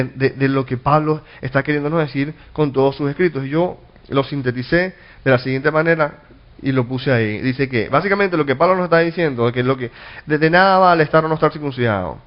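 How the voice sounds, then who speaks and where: A man's voice: on the high side, brisk, lo-fi sound. A man preaching a sermon as a pastor, teaching earnestly, restarting and repeating words, and asking rhetorical questions that he answers himself. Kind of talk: sermon Bible study.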